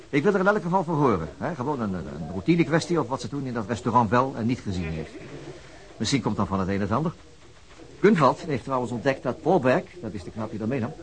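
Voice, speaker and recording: A stubborn old-hand police detective with a Dutch accent, talking bluntly and commandingly, as a man acts him out in a radio play. His pitch moves a lot as he turns things over. He is a man in his fifties set in his ways. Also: very animated, fast, natural voice, rough recording. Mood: musing. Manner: blunt, musing, then commanding. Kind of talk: Dutch radio drama acting.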